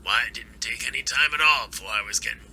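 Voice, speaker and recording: Man acting older plain-spoken author, creaky, piercingly bright, wary, folksy, audio drama, faint noise. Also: medium pitch, fast. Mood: rueful.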